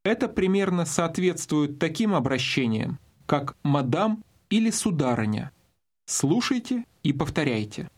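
A man narrating a scripted language course, giving slow, deliberate instructions. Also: a little high, sing-song.

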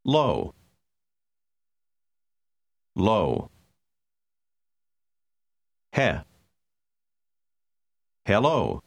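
A man slowly and carefully pronouncing phrases as a model for learners to repeat. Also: fairly low pitch, huge pitch swings, vocal fry. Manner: very slow, carefully drawn-out words. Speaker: native speaker model in language course. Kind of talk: slow model pronunciation for repetition.

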